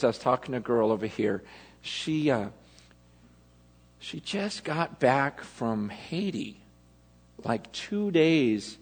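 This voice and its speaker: Rambling storyteller pastor in echoing hall. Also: male voice, mid-range voice, breathy edge. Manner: loose, self-interrupting personal storytelling. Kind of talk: sermon. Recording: long reverb of a large hall.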